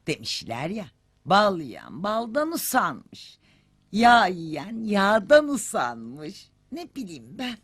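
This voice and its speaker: A woman's voice: low-pitched, big pitch swings, measured pace, pauses often, husky, exaggerated voice. An actress playing a sarcastic, scolding mother who teases her idle grown son. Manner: scolding, sarcastic, proverb-quoting. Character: sharp-tongued scolding mother, a hodja woman. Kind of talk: TV film acting.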